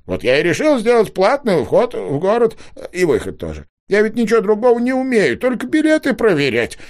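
A man's voice: sits high, huge pitch swings, fairly quick, darkish tone, voice pushed up. A man voicing a tearful old mayor who cannot count, whiny and pleading. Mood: weepy.

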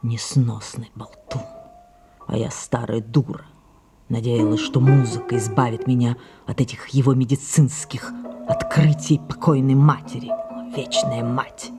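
A woman playing an imperious, capricious aging actress in an audio drama, breathy and languid, slipping into whispers. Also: extremely low pitch, steady tone, unhurried, music in the background. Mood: wry musing. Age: older. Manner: languid and musing, then sharply commanding.

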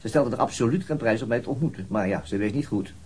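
A brisk, methodical male detective, played by a radio actor, with a mid-pitched voice. He speaks quickly and politely, matter-of-fact and persistent, as in a radio drama. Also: lively intonation, a little mellow, close to an everyday voice. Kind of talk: Dutch radio drama acting.

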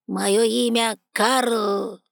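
A woman voicing a proud, sardonic male talking raven with a hoarse, croaking voice and a slow, cold, mocking manner. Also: a little high, fairly even intonation, dry recording, studio quality, full character voice. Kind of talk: audiobook character voice.

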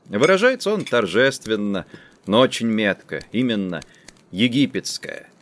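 Expressive male audiobook narrator. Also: medium pitch, normal speed. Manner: expressive, dramatic storytelling.

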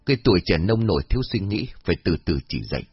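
A man voicing a calm, patient older village elder who reasons with others, in a storybook reading. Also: low voice, fast talker, slightly rough, no room sound, dull audio, exaggerated voice. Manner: patient, mildly puzzled, persuasive.

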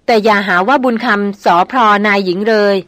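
A woman's voice: mid-range voice, a little fast, no room sound, close to an everyday voice. Audiobook: woman reading an old male hunter and servant, gossipy and deferential, dry close sound. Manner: polite, gossipy storytelling with deferential particles.

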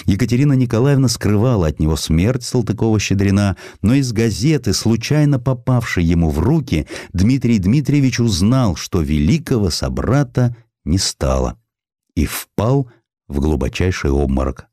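Deep-voiced, expressive male narrator. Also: no room sound, clean studio sound. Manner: measured, expressive storytelling. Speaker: audiobook narrator. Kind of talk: dramatic literary narration.

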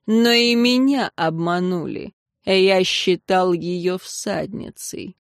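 An insolent, ironic male sorcerer, as a woman reads him in an audiobook. He speaks slowly and coolly detached. It sounds close and dry. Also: on the low side, dry recording.

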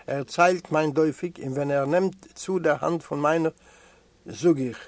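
A man from Eastern Europe reads a first-person memoir aloud in a measured, storytelling manner. His voice sits a little high for a man. The recording is close and dry, with no room sound. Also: no echo. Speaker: audiobook reader. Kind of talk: literary reading of a memoir.

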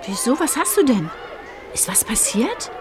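A spirited teenage schoolgirl in a radio play, speaking a little high with lively, swinging intonation. She is direct and quick to take up a friend's cause. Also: a crowd in the background, background noise. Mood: friendly. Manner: direct and indignant.

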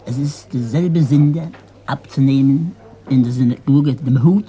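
A man's voice: medium pitch, a little slow, mellow, breathy edge. A man telling a joke in the first person, in a casual round of friends.

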